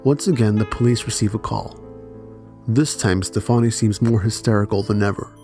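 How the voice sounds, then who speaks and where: Man, lower-pitched voice, documentary narration, serious, measured storytelling, music bed. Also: steady tone, mellow. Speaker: true crime narrator.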